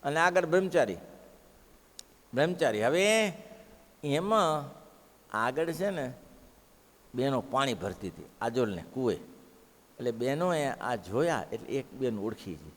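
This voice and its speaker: A man's voice: medium pitch, very animated, a little slow, pauses often. A man with a Gujarati accent, telling devotional stories in a sermon and acting out the characters' lines. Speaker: preacher telling scripture stories. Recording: long hall reverb.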